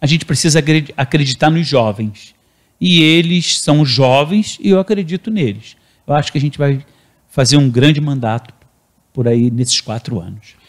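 Against a quiet background, a somewhat breathy man speaks at a moderate pace with lively intonation and long, frequent pauses. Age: 50s. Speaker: city councillor. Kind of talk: interview. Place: studio. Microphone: handheld.

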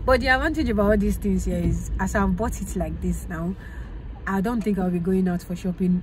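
A woman is heard in a dry recording with no echo. Noticeable background noise runs behind her voice. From Nigeria. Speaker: vlogger and healthcare assistant. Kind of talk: casual vlog. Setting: on the go, in car and stores. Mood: playful, joking. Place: car. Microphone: phone near.

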